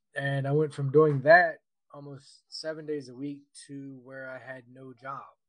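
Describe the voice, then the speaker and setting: A man's fairly high voice with an American accent, fairly slow and flat in a monotone, against a quiet background. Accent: slight Virginia, likened to Jersey. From Virginia, US. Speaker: gamer and streamer. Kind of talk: casual chat.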